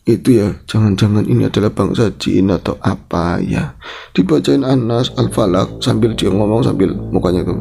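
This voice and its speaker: A man telling a horror story in a casual way, acting out the quotes with big jumps in pitch. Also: moderate pace, vocal fry. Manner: animated, mixes in Javanese, acts out quotes with sharp pitch jumps. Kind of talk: casual storytelling retelling a guest's experience.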